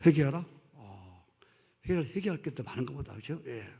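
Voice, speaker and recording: A man's voice: mid-range voice, sing-song, normal speed, gravelly, mellow, slightly rough. A male pastor preaching a sermon, emphatic, questioning his congregation directly and acting out stern voices in quoted speech.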